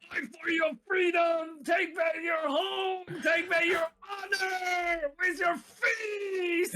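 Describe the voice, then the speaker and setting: A man shouts in a put-on character voice at an extremely high pitch. He goes at a very slow pace with hardly any pauses. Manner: rousing, commanding.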